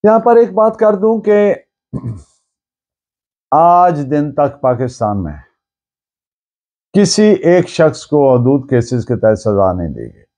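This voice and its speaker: A Pakistani man speaks as a lecturer, in a fairly high-pitched but mellow voice. He goes very slowly and deliberately, explaining point by point and repeating for emphasis. English terms are mixed into his speech. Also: very animated. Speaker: law lecturer.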